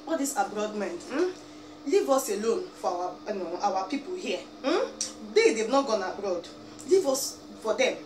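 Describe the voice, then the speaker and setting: A young Igbo-accented vlogger from Abia State, Nigeria, rants animatedly at the camera from a chair in a small room at home, her voice fairly high. She pleads and scolds emphatically, sprinkling in "eh?" and "biko." The camera sits a few feet off, so the audio is roomy, distant and noisy.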